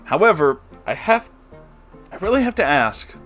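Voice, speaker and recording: A man's voice: high-pitched, sing-song, moderate pace, fairly bright tone, soft background music. Sarcastic man critiquing a book. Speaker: host of a story-reading channel. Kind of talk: casual spoken commentary on a book.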